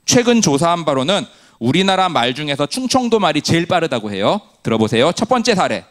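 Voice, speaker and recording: A man preaching a sermon from the pulpit, his slightly high voice swinging widely up and down. He asks the congregation quick questions, answers them himself, and slips in jokes along the way. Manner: animated storytelling with humor. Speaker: pastor.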